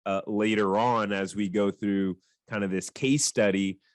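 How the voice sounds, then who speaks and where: A man's voice: fairly low pitch, steady tone, measured pace, dry recording. A man hosting a franchise podcast, talking in an upbeat, enthusiastic way with his guest. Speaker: podcast host. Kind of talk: podcast interview.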